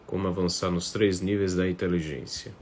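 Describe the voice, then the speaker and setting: A man with a northeastern Brazilian accent and a fairly low voice chats to his livestream audience like an informal teacher. He often tacks on little tag questions. The phone recording carries some background noise. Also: steady tone, a little fast, darkish tone. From Paraíba, northeastern Brazil. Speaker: teacher hosting a live online class. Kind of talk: informal livestream talk to viewers. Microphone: phone on a stand.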